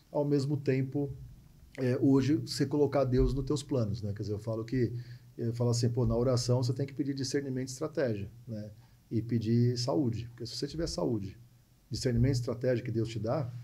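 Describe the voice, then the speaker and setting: A man in his forties from Santos on the São Paulo coast of Brazil, an entrepreneur and speaker, shares personal stories conversationally as a podcast guest, with a coastal São Paulo accent. His mid-range voice is warm and slightly rough. He repeats words for emphasis and often adds tag questions seeking agreement.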